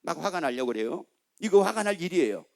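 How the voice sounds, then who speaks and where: A man's voice: a little high, sing-song, fast, vocal fry. A male pastor preaching a sermon in a church, emphatic and constantly asking the congregation questions.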